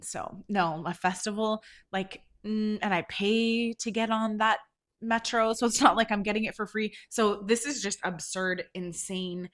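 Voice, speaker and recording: A woman, hosting a casual podcast, chatty and blunt, and congested from allergies. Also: mid-range voice. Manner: chatty, venting, animated, swears freely. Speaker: podcast host. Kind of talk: casual chat, storytelling.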